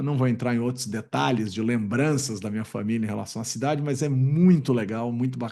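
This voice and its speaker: His tone dark and mellow, a man speaks with ordinary pitch variation. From São Paulo, Brazil. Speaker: podcast co-host. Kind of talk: podcast interview. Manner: casual.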